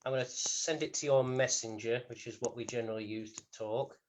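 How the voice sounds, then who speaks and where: A man's voice: mid-range voice, fairly even intonation, fairly quick. A man co-hosting, talking casually and off the cuff. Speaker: podcast co-host. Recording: faint background noise, clicks.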